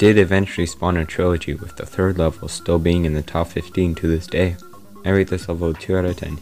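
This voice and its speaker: Music plays in the background as a man with a very deep, low pitch talks. His pace is very fast and his intonation fairly even. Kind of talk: video game commentary narration. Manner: monotone.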